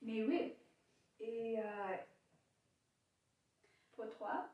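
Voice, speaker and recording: A woman's voice: fairly high pitch, drawn-out words, highs cut off. A teenage girl chatting carefully and hesitantly in a second language she is learning. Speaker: student podcaster. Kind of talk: casual chat in learner French. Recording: echoey room, distant from mic.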